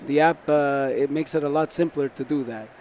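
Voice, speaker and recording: A man's voice: on the high side, steady tone, brisk, darkish tone. A man from South America giving earnest, explanatory answers as a startup founder in a conversational interview. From South America (Argentina and Venezuela), born in Canada. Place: busy tech conference floor. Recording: noisy busy event with background ambience.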